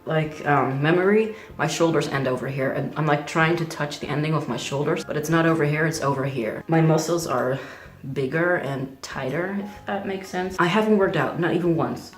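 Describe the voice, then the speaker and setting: A man's voice: on the high side, moderate pace, reverberant, soft background music. A young trans man talking candidly in a casual video diary, chatty and full of "like" fillers. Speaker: vlogger.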